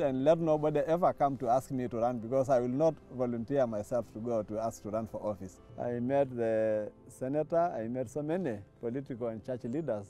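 A middle-aged man speaks in a mellow, warm voice, thinking aloud about his past. He talks in a measured way, with pauses and restarts. Soft music plays faintly under his words. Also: medium pitch. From Tanzania. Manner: reflective, thoughtful, with frequent restarts and hesitations. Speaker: interviewee. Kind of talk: testimony interview. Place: outdoors by a lawn. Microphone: lapel mic.

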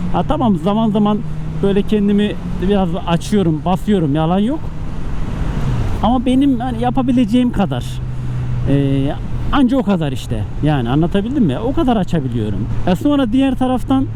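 Higher-voiced man talking inside a helmet. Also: very animated, a little fast. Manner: conversational, explaining himself with rhetorical questions; speaking inside a helmet while riding a motorcycle. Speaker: motovlogger. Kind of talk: casual vlog monologue while riding. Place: outdoors on city roads, riding a motorcycle. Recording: helmet mic with motorcycle and traffic noise. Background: engine, vehicle and traffic noise.

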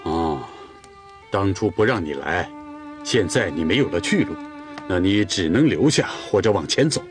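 An actor playing a dutiful young Torghut man in a costume drama who scolds firmly and then soothes gently. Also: deep voice, lively intonation, normal speed, music in the background. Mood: urgent. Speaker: Torghut herder tending the khan's horses. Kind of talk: television costume drama dialogue.

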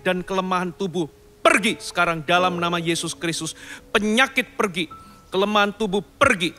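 A male pastor giving a short devotional and then leading a fervent healing prayer with commanding declarations. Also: high voice. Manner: calm, soft-spoken storytelling. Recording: studio voice-over with faint music behind.

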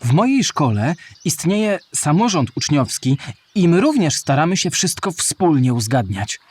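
Curious, eager schoolboy, slightly husky. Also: male voice, on the high side, sing-song, measured pace, a little mellow, heavily acted. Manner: inquisitive, eager. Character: Historyjek, curious young schoolboy asking about history. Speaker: questioner in a children's audio drama. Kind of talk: scripted children's audio drama dialogue.

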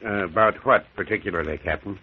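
A man's voice: deep voice, fast talker, breathy edge. An actor playing a curt, matter-of-fact man in an old-time radio drama. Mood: guarded. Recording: tinny, thin old radio recording.

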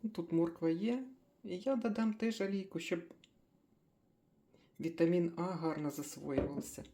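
An older woman chatting casually as she makes a breakfast smoothie in her kitchen, thinking aloud with small laughs. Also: fairly low pitch, a little slow, warm tone, a little hiss or hum. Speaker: cooking vlogger.

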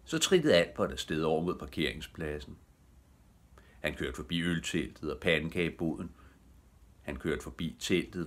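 An older man reading a children's bedtime story aloud with gentle, lively storytelling. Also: rumbling low. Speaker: audiobook reader.

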